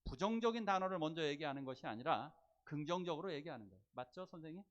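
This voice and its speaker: Male pastor, slightly high and very animated delivery, sermon with acted asides. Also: fast talker, highs cut off. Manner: animated, acts out quoted voices, asks the congregation questions. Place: church sanctuary.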